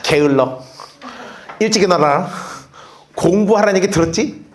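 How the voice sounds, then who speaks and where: A pastor imitating a nagging middle-aged mother, scolding and bossy, her voice pitched quite high. The imitation is playful and stays close to his own speaking voice. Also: moderate pace, noisy background, lightly acted.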